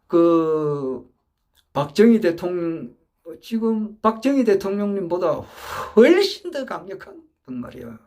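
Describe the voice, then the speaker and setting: A man with a high voice that swings widely up and down delivers an earnest spoken lecture. He talks emphatically, repeats key phrases for weight, and often breaks off and restarts mid-sentence. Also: very animated, a little slow, darkish tone. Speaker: political supporter giving a talk.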